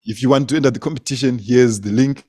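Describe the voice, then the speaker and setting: A man's voice: mid-range voice, fast, mellow. A young man from Zimbabwe, a comedian, telling stories in casual conversation, laughing often and repeating words as he goes. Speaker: comedian, guest.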